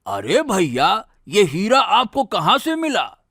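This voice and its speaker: A man playing an excited, curious village jeweller in a cartoon moral story, with drawn-out, amazed exclamations. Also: high voice, vocal fry, slightly rough, no echo, clean studio sound, full character voice.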